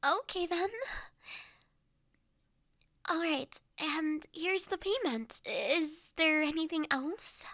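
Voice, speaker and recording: A woman playing a refined, poised young noblewoman in an audio roleplay, speaking formally and kindly with authority and soft trailing phrase endings. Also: sits high, slow, pauses often, no room sound, studio quality, heavily acted. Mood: polite, businesslike. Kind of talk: scripted audio roleplay addressed to listener.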